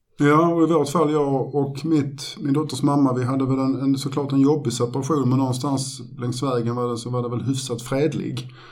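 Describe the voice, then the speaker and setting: A man talks at medium pitch with monotone, flat intonation and hardly any pauses. Audible echo comes from the room. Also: moderate pace. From southern Sweden (Ystad, Skåne). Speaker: TV reality participant and business coach. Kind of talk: interview.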